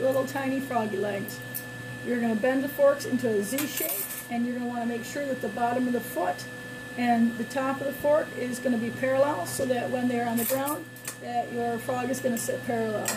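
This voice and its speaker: Against noticeable background noise, a woman speaks fairly fast. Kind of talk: tutorial. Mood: cheerful, friendly. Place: workshop. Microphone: camera far.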